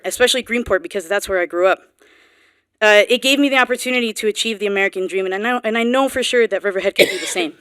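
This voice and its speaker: A young adult woman from Guatemala who grew up on Long Island's East End, giving an earnest, informal public comment at a podium microphone in a town hall meeting room, with halting restarts. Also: mid-range voice, fairly bright tone, smooth, clean studio sound. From Guatemala, raised on Long Island's East End. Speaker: local resident speaking at public comment.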